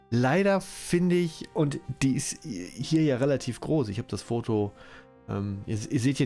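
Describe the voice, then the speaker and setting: A man's voice: medium pitch, a little mellow. A German-speaking man with a cold, giving rambling, self-correcting commentary while playing a strategy game. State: has a cold, coughing. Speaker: let's-play host.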